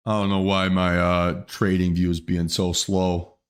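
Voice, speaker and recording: A man with a low, flat voice and clean tone hosts a day trading livestream at a measured pace, casually thinking aloud through his trades. His live market commentary is full of fillers and restarts, and he has the hiccups.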